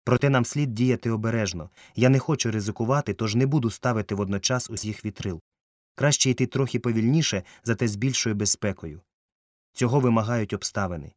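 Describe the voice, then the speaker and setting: A resolute young ship captain, as a male narrator reads him with steady, earnest authority in a plain mid-range voice. The reading is close and dry. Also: medium pitch, fairly quick, dry recording, lightly acted.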